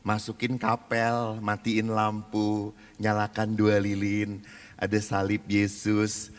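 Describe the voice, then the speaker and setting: A man, a Catholic priest, giving a lively seminar talk and acting out the voices in his stories. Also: lowish voice, slow. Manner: animated storyteller, acts out quoted voices. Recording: reverberant hall.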